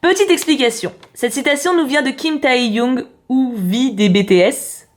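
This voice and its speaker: A woman's voice: sits high, unhurried. A woman talking casually as she unboxes a parcel on camera, chatty and exclamatory, thinking aloud as she goes. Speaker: YouTuber host.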